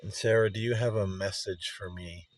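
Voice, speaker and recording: A middle-aged man hosting a spirit session, speaking reflectively and earnestly in halting phrases with pauses mid-sentence. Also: on the low side, steady tone, dry recording. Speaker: spirit box session host. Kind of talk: slow reflective monologue addressed to a spirit.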